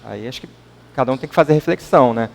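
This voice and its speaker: A man with a Brazilian accent gives an informal talk to a gathering at a spiritist center. His voice is middle-pitched and carries a long reverb from the meeting hall. He speaks conversationally and often checks in with a questioning tag. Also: fast, vocal fry. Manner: conversational, keeps adding questioning tags.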